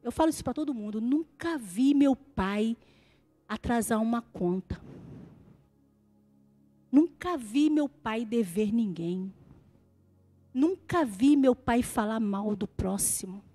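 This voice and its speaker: Woman preacher, high voice, swings from hushed storytelling to shouted praise, faint music behind. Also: animated, slow, long pauses. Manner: acts out other people's voices in quotes. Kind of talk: evangelical sermon.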